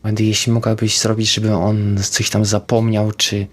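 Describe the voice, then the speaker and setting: A man playing a tabletop game in character, talking excitedly and swearing in frustrated outbursts. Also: fairly low pitch, moderate pace. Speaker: player. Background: faint background music.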